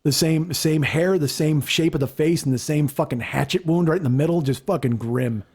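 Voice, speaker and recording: A man in his forties hosting a podcast, telling stories in a casual, profane, animated way. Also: on the high side, moderate pace, husky. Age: 40s. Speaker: podcast host. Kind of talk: casual chat.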